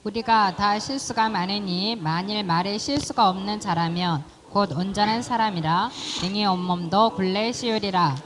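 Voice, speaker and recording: A woman from the congregation takes her turn in a responsive scripture reading. Her recitation is even and measured, at an ordinary middle pitch. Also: noisy background.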